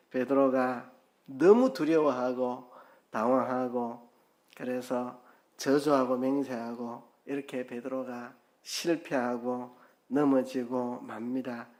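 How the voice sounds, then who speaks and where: A man preaching a sermon as pastor, telling the story lively and acting out quotes, with his voice rising loud and dropping soft. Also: mid-range voice. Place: church sanctuary.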